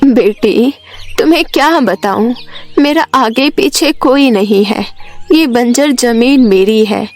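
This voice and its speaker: A woman voicing a lonely, frail old village woman, plaintive, in an animated story. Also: fairly high pitch, takes it slowly, soft background music. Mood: sorrowful.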